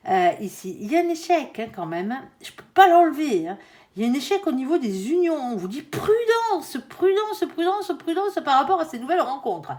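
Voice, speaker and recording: A woman's voice: high voice, big pitch swings, quick pace, darkish tone. A woman with a Southern French accent giving a casual, chatty tarot reading to her viewers. She fills her talk with little tag words and laughs at her own jokes. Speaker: tarot reader.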